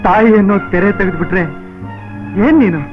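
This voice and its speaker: An actor playing a furious young taxi driver who hurls accusations, in a 1980s film. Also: male voice, high voice, a little fast, natural voice. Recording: dull old film soundtrack with music.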